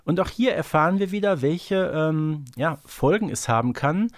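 A man's voice: on the high side, lively intonation, moderate pace, no room sound, clean studio sound. A man co-hosting a podcast, thinking aloud and explaining in a casual, analytical discussion. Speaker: podcast co-host. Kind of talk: casual analytical discussion of an audio drama series.

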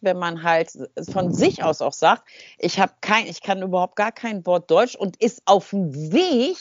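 A woman's voice: medium pitch, dry recording, lo-fi sound. A woman co-hosting a podcast, reacting openly and laughing easily in a casual chat. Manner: animated, quick to react and laugh. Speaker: podcast co-host. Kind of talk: casual interview.

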